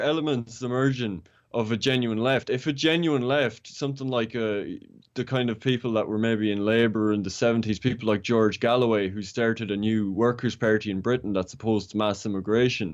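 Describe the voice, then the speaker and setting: A man's medium-pitched voice in an Irish accent, fairly quick, with ordinary pitch variation. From Ireland. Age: young. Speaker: YouTuber. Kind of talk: interview.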